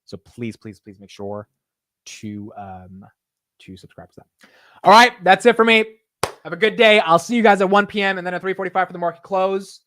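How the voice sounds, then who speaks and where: With a high voice at a moderate pace, a young man hosts a casual livestream, joking animatedly with his chat and mocking himself. There's no echo on the recording.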